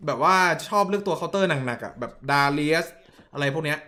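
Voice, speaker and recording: A male streamer talks through a match in loose, blunt commentary and throws in crude slang. His voice sits a little high and sounds bright and forceful. He stops to answer viewer messages as they come in. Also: lively intonation, fast. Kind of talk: casual esports watch-along commentary.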